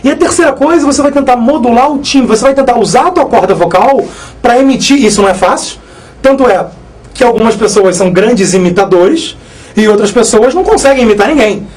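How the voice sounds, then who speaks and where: Fast-talking physics teacher. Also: male voice, very high voice, low-quality recording. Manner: energetic, repetitive, joking. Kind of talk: live exam-prep lesson.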